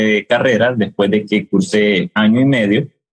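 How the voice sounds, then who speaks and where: With a Honduran accent, a man talks in a fairly low pitch. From Honduras, La Ceiba. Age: 20s. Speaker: psychologist. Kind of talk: interview about psychology.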